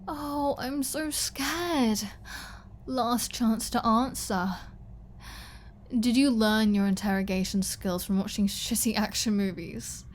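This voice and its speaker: A woman's voice: fairly high pitch, slow, slight background noise. A woman playing a flirty, defiant captive vampire in an ASMR audio roleplay, teasing and mocking with a sarcastic drawl. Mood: bored, mocking.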